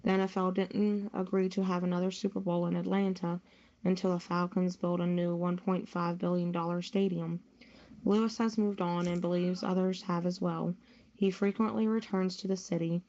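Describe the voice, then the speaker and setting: Flat, mellow woman reading sports news. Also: lowish voice, moderate pace. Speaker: sports news presenter on a podcast. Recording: dull lo-fi audio.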